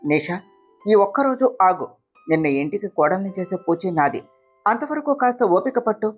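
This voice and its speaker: Storybook figure: self-sacrificing young wife, read by a woman, soft and pleading, breathy. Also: medium pitch, lively intonation, normal speed, soft background music. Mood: soothing.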